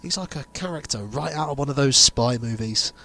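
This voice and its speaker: A man playing a grave insider revealing a sinister conspiracy in an amateur audio drama, speaking deliberately with dramatic pauses. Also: mid-range voice, lively intonation, pushed and bright. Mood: explanatory, intent.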